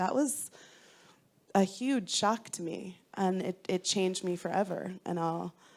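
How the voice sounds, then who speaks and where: A woman with an American accent speaks at a fairly slow pace in a plain, everyday voice. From US Northeast, New Jersey suburbs. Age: 30s. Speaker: charity founder and author. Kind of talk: interview conversation at a book talk. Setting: library event with audience.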